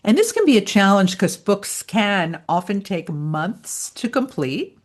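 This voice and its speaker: A woman voice-over coach leads an online training in a chatty, explanatory manner. Her voice sits at a middle pitch. She laughs easily between her points. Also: very animated, measured pace.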